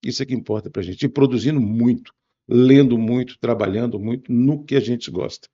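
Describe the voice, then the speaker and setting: A man in his seventies from Bahia, Brazil, with a Bahian accent, answering interview questions in a musing, unhurried way with restarts. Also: medium pitch, mellow, dull audio. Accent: Bahian Brazilian Portuguese. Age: 70s. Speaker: interview guest.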